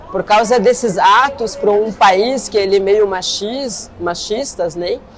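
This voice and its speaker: A woman speaks with ordinary pitch variation, with noticeable background noise and audible room echo. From Lebanon, Beirut. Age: 30s. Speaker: immigrant interviewee, psychology student. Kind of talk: interview testimony. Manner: halting, many fillers.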